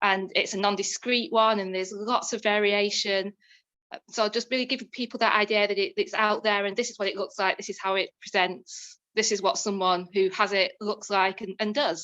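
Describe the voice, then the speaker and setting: Her English accent clear, a woman speaks at a medium pitch and a moderate pace with fairly even intonation. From northern England. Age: 30s. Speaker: novelist. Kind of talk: interview.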